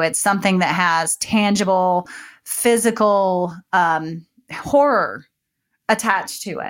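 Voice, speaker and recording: Recorded very cleanly against a silent background, a woman with an Alabama accent speaks at a fairly slow pace, her medium-pitched voice keeping a fairly even intonation. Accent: Southern US (Alabama). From US South (rural Northeast Alabama). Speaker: science education professor. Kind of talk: interview conversation.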